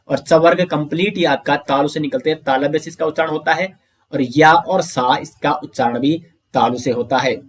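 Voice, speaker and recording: A man with a fairly high-pitched voice leads an online grammar lesson, explaining step by step and posing questions he then answers himself. He often addresses his listeners as friends, and during pronunciation drills he says the sounds out slowly.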